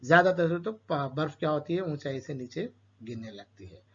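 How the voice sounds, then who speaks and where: Teacher asking himself questions, lo-fi. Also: male voice, a little high, lively intonation, moderate pace, fairly bright tone, breathy edge. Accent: Urdu-speaking Indian. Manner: asks questions and answers them himself. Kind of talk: explaining a school chapter to children. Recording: dull lo-fi sound.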